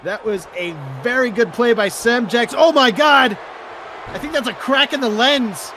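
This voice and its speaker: A man with a high voice calls a wrestling match live. He is an excitable commentator who leans into dramatic exclamations. There is some noise behind him. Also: normal speed, a faint crowd.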